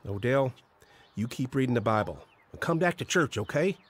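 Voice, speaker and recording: An actor playing an earnest Christian friend, urging and exhorting in a radio drama. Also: male voice, mid-range voice, lively intonation, normal speed, natural voice.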